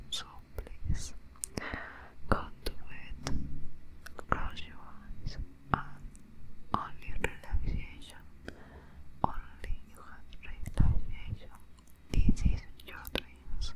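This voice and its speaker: A woman whispers very slowly, leaving long, frequent pauses, while noticeable background noise carries on around her. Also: big swings in loudness. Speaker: ASMR creator. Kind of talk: ASMR sleep roleplay. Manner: whispered.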